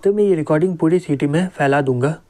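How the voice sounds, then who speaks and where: Man reading a threatening young security chief; mellow tone, a touch high. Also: quick pace, close to an everyday voice. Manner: blustering, threatening.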